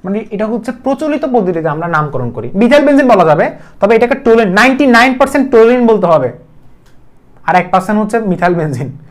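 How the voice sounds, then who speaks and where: A man's voice: high-pitched, very animated, brisk. A man with a Bangladeshi Bengali accent giving a chemistry video lecture, repeating key terms and quizzing the viewer with questions. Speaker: chemistry teacher.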